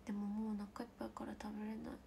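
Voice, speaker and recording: A woman with a Kansai accent chatting casually with livestream viewers as the host, giggling often and slipping into soft whispered asides. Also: medium pitch, monotone, very fast, creaky, slight background noise. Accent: Kansai Japanese.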